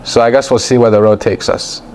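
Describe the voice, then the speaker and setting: A man's voice: mid-range voice, brisk, slight background noise. A man with an international British accent, chatting easily as a guest jeweler in a casual interview. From Belgium. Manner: relaxed, talks in loose run-on phrases.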